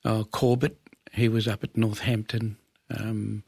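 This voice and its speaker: Male, 70s, Aboriginal Australian accent. Creaky, weathered storyteller being interviewed, unhurried repeats and pauses, dry sound. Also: lowish voice, flat delivery, darkish tone, no room sound. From Western Australia. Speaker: interview guest, Aboriginal elder. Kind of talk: conversational reminiscence.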